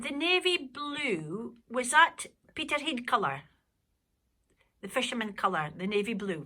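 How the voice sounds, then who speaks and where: With a northeast Scottish accent, a woman speaks at a fairly slow pace in a high, bright, sharp voice, her pitch swinging very widely between long, frequent pauses. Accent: Doric Scots. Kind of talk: oral history interviewer. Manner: chatty, encouraging.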